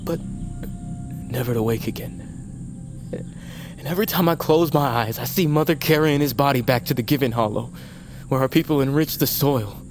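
An actor playing a fierce, hot-blooded young tribal warrior, intense and bitter, in an audio fiction drama. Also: male voice, mid-range voice, moderate pace, a little hiss or hum, lightly acted. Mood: grieving, bitter.

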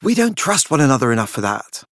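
Man voicing a curt, brooding gentleman. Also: mid-range voice, big pitch swings, fast, no room sound, clean studio sound. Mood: resentful. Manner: curt, scowling.

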